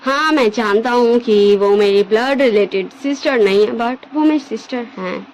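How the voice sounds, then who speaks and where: Woman doing an earnest young man, plain talk, high voice, storybook. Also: normal speed, a little mellow, a little hiss or hum, lightly acted, low-quality recording. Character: young man, fond of his sister.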